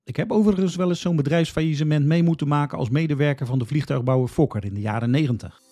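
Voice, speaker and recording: This Dutch podcast host speaks fast in a warm, fairly high voice. His explanations are scripted and instructional, aimed straight at the listener.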